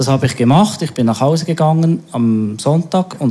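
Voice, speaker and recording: Pitch rises and falls in an ordinary way. The pace is fairly slow. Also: man. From Switzerland, Bernese Oberland (Kandersteg). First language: Swiss German (speaking German). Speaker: churchgoer sharing his story. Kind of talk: testimony. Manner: halting.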